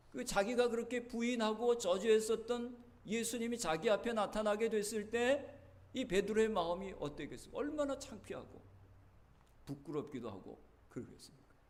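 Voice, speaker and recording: A male pastor preaching a sermon in a church, telling the story earnestly, his voice rising and dropping. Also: on the high side. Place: church sanctuary.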